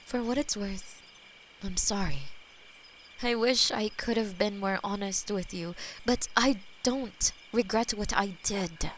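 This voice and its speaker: A woman voicing a centuries-old female demon who keeps a human as her pet, speaking slowly and intimately with a possessive edge. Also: mid-range voice, a little hiss or hum, rough recording. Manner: slow, intimate, possessive, softly spoken. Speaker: voice actor in audio roleplay. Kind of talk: scripted audio roleplay.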